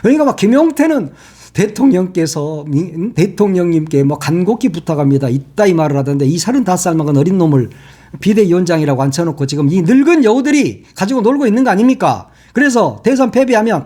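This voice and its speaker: Man, political commentary host, mocking and heated, high voice, wildly swinging pitch. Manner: heated, mocking, swears freely; sarcastic, shifts between shouting and muttering. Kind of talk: casual political commentary monologue.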